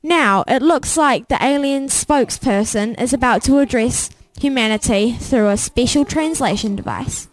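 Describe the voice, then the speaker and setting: A woman's voice: fairly high pitch, moderate pace, hardly any pauses, lightly acted, poor audio. A woman playing a studio reporter who reports in a chatty, jokey way. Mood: nervous. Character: studio reporter Sam, nervous.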